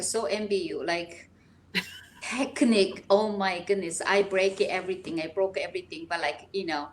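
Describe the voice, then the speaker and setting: A woman with a Korean accent, a poet guest speaking eagerly and haltingly on a video call. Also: mid-range voice, slight background noise, poor audio. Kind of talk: casual video chat.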